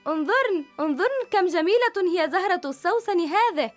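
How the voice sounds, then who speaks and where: A woman voicing an eager little girl who loves flowers, speaking in a bright, pleading storybook voice. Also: very high-pitched, lively intonation, a little fast, faint music behind, voice pushed up. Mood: delighted.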